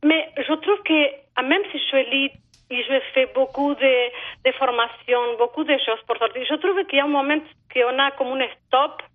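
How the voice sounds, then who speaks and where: Argentine-accented woman caller, fifties, high-pitched and halting, heard over a telephone. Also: fairly even intonation. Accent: Argentine Spanish. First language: Spanish. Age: 50s. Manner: hesitant, many fillers, tag questions "non?". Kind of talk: phone-in conversation. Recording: tinny phone line.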